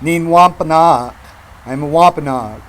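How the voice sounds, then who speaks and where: A man in his forties from Massachusetts gives an impassioned public speech at a rally, speaking emphatically with deliberate repetition. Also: a little high, a bit bright. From Mashpee, Massachusetts, United States. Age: 40s. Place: outdoor rally.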